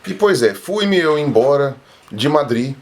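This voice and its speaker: A man's voice: fairly high pitch, expressive, unhurried, echoey room, slight background noise. A man with a Brazilian Portuguese accent, chatting casually in a travel vlog and often adding little tag questions. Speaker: travel vlogger.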